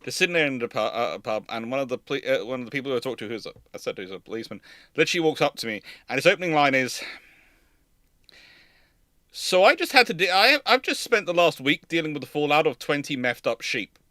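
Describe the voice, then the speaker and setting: Man, stream host, casual rambling chat, forceful bright tone, close dry sound. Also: medium pitch, sing-song, quick pace, no room sound.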